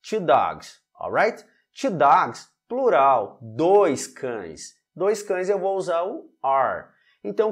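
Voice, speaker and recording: A Brazilian man gives an online English grammar lesson. His voice sits a little high and swings up and down lively, and he talks at an unhurried pace. He keeps checking in with his students and repeats each example slowly. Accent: Brazilian Portuguese. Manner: lively teaching, often checks in with "alright?" and "ok?". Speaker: English teacher.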